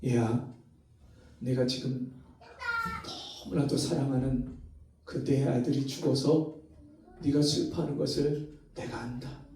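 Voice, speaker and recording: A man voicing God as a gentle, reproving father within a sermon. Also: high-pitched, measured pace, pauses often, slight background noise, voice pushed up. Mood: tender reproach. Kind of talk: acted quote in a sermon. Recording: very echoey hall, mic far off.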